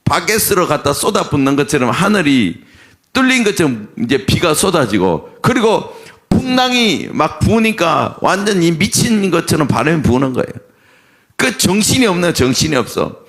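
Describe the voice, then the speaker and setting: A man's voice: on the high side, sing-song, moderate pace, a bit bright. A middle-aged man preaching a sermon as pastor, asking the congregation questions and answering them himself.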